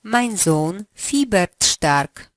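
A woman running a language lesson, giving slow, carefully articulated prompts for the learner to answer. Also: mid-range voice, lively intonation, no room sound, studio quality. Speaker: language teacher.

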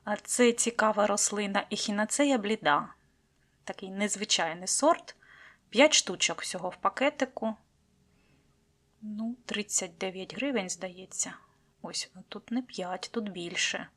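A woman talking casually as she unboxes seed packets, fond of diminutives, often dropping to a soft whisper. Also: mid-range voice. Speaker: gardening vlogger.

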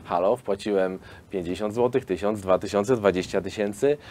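A man in his thirties, a film studio founder, explains his investment offer in an interview, pausing often with fillers. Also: lowish voice, a little mellow, a little hiss or hum. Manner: explanatory, hesitant with frequent fillers. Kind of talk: business interview.

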